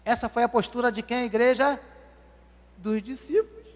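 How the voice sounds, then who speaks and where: In a church hall with long reverb, a pastor preaches a sermon at a moderate pace, addressing the congregation as "dear ones" and posing questions to them. His voice is very high-pitched.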